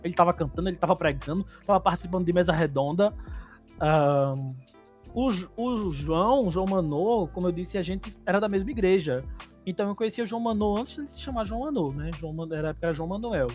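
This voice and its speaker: A man from Paraíba with a Northeastern Brazilian accent, co-hosting a podcast and telling stories in an animated, laughing way. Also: sits high, fast talker, soft background music. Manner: animated storytelling, laughs often. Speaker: podcast co-host. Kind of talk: casual chat.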